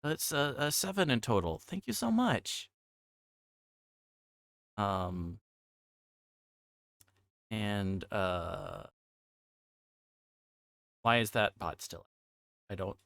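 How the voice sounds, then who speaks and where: A man livestreaming in casual chat, with a halting, repetitive and scattered way of talking. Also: fairly low pitch, lively intonation, vocal fry, a bit bright, no echo, studio quality.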